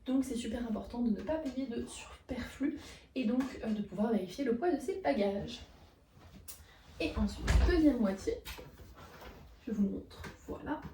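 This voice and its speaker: A woman's voice: a little high, expressive, normal speed, long pauses, dark tone. A young woman from France with a French accent, chatting casually and enthusiastically through a tour of her small student bedroom. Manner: chatty, many fillers, enthusiastic. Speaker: vlogger. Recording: roomy, from a distance, faint noise.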